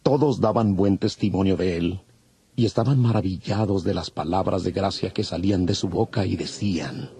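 Low, mellow male scripture narrator. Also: husky, no room sound. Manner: measured, formal. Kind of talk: scripted dramatized Bible narration.

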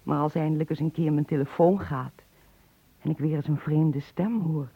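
A woman's voice: low voice, fairly even intonation, normal speed, slightly rough, dry recording. An older woman acting in a radio drama, playing a lonely, inquisitive old lady who probes with insistent questions. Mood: curious, wistful. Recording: muffled lo-fi old radio play recording.

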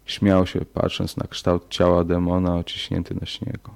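A man narrating a horror story in a slow, measured audiobook reading. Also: low voice, completely flat delivery, gravelly, darkish tone.

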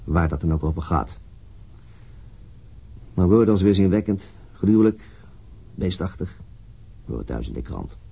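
Very husky, low-voiced brooding detective. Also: male voice, sing-song, dark tone, heavily acted. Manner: halting, musing, muttering to himself. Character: brooding, dogged male police detective, weary and self-questioning. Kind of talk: radio drama acting with introspective monologue.

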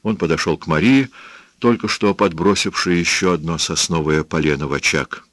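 Male audiobook narrator, very low voice, measured literary reading, dry booth sound. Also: fairly bright tone, no room sound.

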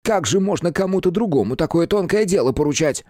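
A man voicing an excitable, fervent male helper to a fortune-teller, who talks in shrill, pleading outbursts. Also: a little fast, no room sound, studio quality, close to an everyday voice. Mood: indignant.

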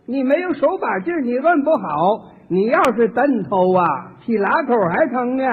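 Guy doing solo comic storytelling, high lively voice, husky, sounds like an old tinny radio tape in a big hall. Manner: lively storyteller, acts out both sides of each exchange. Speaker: comic performer. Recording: tinny archival radio recording with long hall reverb.

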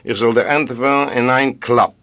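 A man's voice: mid-range voice, normal speed, a bit bright, voice pushed up, close to an everyday voice. A man doing a lecturing village priest. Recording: dull lo-fi audio.

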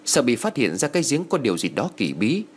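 A man reading a ghost story aloud in a dramatic, expressive way. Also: mid-range voice, brisk. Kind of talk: scripted story narration. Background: faint music.

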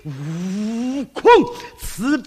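A storyteller playing Tang Monk, a gentle but stern master monk, in a slow solemn preaching manner, for a traditional storytelling performance. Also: mid-range voice, very animated, husky, long reverb tail, pitched below the performer's own voice, heavily acted. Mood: solemn, scolding.

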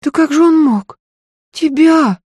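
A narrator voicing a gentle young lady of good family who cries out in breathless alarm. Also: medium pitch, takes it slowly, slightly rough, no room sound, clean studio sound, voice pushed up.

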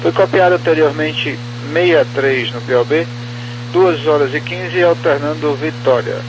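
Higher-voiced male controller on muffled crackly radio. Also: unhurried. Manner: procedural, itemised instructions. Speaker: airport ground controller. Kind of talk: radio taxi instructions in aviation phraseology. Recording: dull crackly radio, clear hum.

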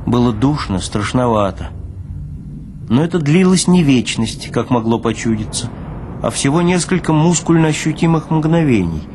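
A man reading literary prose as a narrator, with expressive, deliberate phrasing. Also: medium pitch, background noise.

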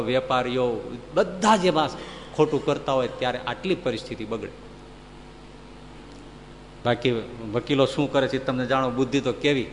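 A man giving a lively sermon full of stories. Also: fairly high pitch, long reverb tail, a little hiss or hum. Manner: storytelling, lively, animated. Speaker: religious speaker.

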